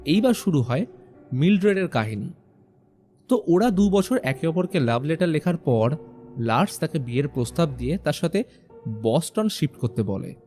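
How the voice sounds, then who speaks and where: A man narrating a horror film recap in a hushed, suspenseful storytelling manner. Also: a little high, very animated, moderate pace. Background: faint background music.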